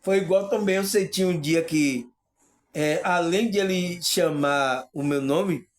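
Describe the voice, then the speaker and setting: A man's voice: a little high, a little slow. Earnest man talking spirituality. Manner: earnest, repeats "entende" and "né", laughs often. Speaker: spiritual video host. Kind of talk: casual spiritual talk to viewers.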